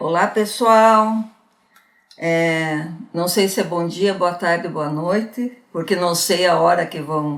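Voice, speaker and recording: Very slow speech from a woman with a fairly low pitch and ordinary pitch variation. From Paraná, southern Brazil. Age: 70s. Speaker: retired educational counselor and teacher. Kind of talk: testimony. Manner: halting, many fillers.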